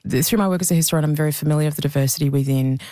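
A woman's voice: low voice, rapid-fire, dark tone, dry recording, clean studio sound. A woman historian answering interview questions thoughtfully, often restarting and repeating words. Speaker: historian and documentary presenter.

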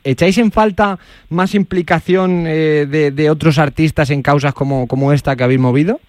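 A man's voice: on the high side, fairly even intonation, moderate pace, darkish tone, no echo. A man from Granada, a radio host asking questions in a hesitant way with many fillers. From Granada, Spain. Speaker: radio interviewer. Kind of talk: radio interview.

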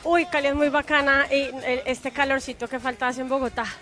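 A woman's voice: sits high, steady tone, fairly quick, fairly bright tone, soft background music. A woman co-hosting a live morning radio show outdoors, chatty and upbeat as she puts questions to the guest. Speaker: radio co-host.

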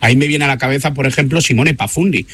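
Un hombre que comenta fútbol en la radio, con ganas de intervenir. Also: male voice, medium pitch, fast talker, fairly bright tone, husky. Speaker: football pundit. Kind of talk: radio panel discussion.

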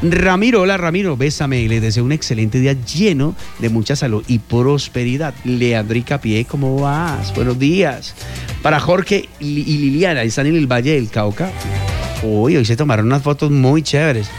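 A man's voice: medium pitch, moderate pace, faint music behind. Upbeat radio host man. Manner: upbeat, reads out listener messages. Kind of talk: casual morning radio chat.

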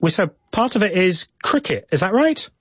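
Husky guy hosting a news show in a dead-dry studio, calm and polite. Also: sits high, no room sound. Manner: measured, courteous. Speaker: radio news presenter. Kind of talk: scripted news presenting and interviewing. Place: radio studio.

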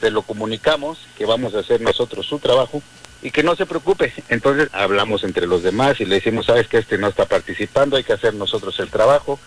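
A man's voice: lowish voice, brisk, slight background noise, poor audio. A man from Guadalajara with a Mexican accent, calling in to a radio show and explaining his view in a friendly way. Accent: Mexican Spanish. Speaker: radio caller. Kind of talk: phone-in chat.

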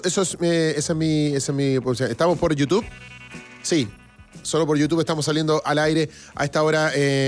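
A Chilean man hosting a live-streamed music talk show in a casual, chatty way, often repeating himself as he hunts for words. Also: a little high. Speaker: show host.

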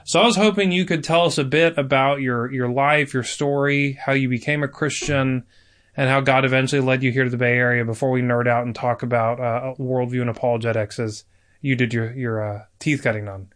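A man's voice: medium pitch, steady tone, fairly quick, a bit bright. A male podcast host with a mid-range voice, upbeat and chatty. He keeps the interview light and makes little jokes as he asks questions. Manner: upbeat, joking.

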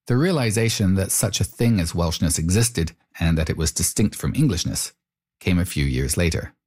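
A man's voice: low voice, expressive, normal speed, a little mellow. A man presenting and narrating a radio-style feature, also asking the interview questions.

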